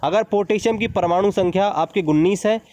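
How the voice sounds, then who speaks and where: High-voiced teacher drilling students. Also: male voice, a little fast, a little mellow. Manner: repeats questions and answers them, often says 'dosto'. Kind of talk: exam-prep lesson at a board.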